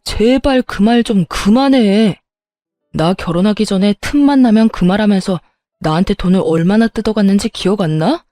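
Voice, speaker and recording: A woman's voice: mid-range voice, normal speed, dark tone, no echo, studio quality, faint music behind, lightly acted. A woman reading the lines of an exasperated adult son confronting his mother, in a raised voice. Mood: bitter.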